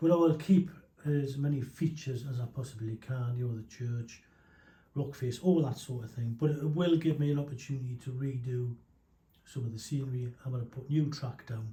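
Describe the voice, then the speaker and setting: Somewhat breathy, this man speaks at a fairly quick pace in a medium pitch with fairly even intonation. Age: 60s. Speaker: model railway hobbyist YouTuber. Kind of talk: casual vlog talk. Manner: halting.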